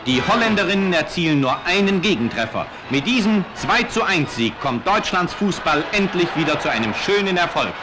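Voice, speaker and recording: Male old-newsreel announcer, fairly high voice, upbeat and rhythmic, scripted 1950s narration. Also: very animated, normal speed, few pauses. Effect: old newsreel playback. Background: music.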